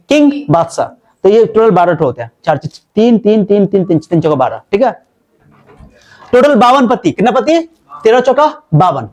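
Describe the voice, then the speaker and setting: Man, maths teacher, classroom lesson, high voice, animated, repeats and quizzes. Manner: lively, repeats and quizzes students.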